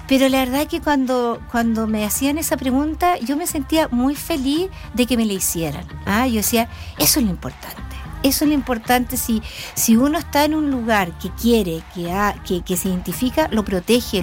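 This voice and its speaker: A middle-aged woman, hosting a casual local talk show and putting questions to her guests. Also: a little high. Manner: chatty, asks leading questions. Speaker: radio show host and town councillor.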